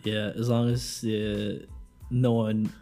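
A man chatting casually and jokily in a laid-back, bro-like way, with hesitant pauses. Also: on the low side, little pitch movement, warm tone, faint music behind. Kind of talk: casual joking podcast chat.

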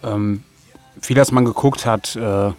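Casual, halting man in an interview. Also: fairly low pitch, fairly even intonation, a little mellow, soft background music. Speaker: interview guest, music producer of an audio drama.

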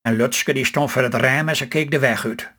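A man's voice: medium pitch, moderate pace, pushed and bright, breathy edge. Man reading a dialect story. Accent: Stellingwerf Low Saxon dialect. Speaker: author reading his story. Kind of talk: read-aloud humorous story.

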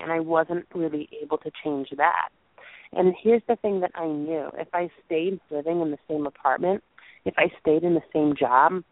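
Hoarse woman on a tinny phone line. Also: sits low, no room sound. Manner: candid, personal storytelling with apologetic asides. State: hoarse, losing her voice from a chest cold. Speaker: co-host. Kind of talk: motivational call-in show talk.

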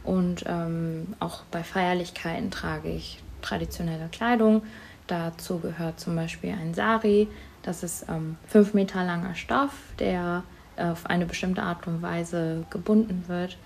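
Soft-spoken woman, hesitant and thoughtful. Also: fairly low pitch, fairly even intonation, unhurried, gravelly, slight background noise. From Germany. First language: Tamil. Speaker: interviewee. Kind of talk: school interview.

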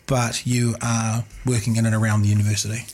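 A man hosting a casual live radio interview, chatty and rambling, slightly husky after an illness. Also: on the low side, little pitch movement, a little fast, darkish tone, a little hiss or hum. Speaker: radio host.

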